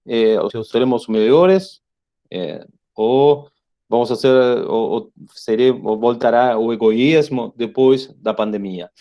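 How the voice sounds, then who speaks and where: A man with an Argentine Spanish accent talks in a soft-edged, mellow voice, mixing Portuguese and Spanish. He feels his way through sentences, repeating small words and often tagging a short question on the end. It sounds like an informal online lecture from a native Spanish speaker. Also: medium pitch, creaky. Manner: halting, repeats words searching for phrasing; often ends phrases with a tag question. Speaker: professor, guest lecturer.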